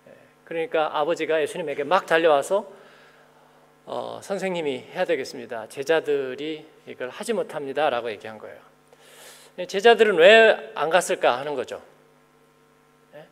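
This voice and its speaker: A man's voice: on the high side, creaky. A male pastor giving a conversational sermon, often asking the congregation questions and acting out the people he describes. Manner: animated, asks the congregation questions; acts out the people he quotes. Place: church sanctuary. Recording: long church hall reverb.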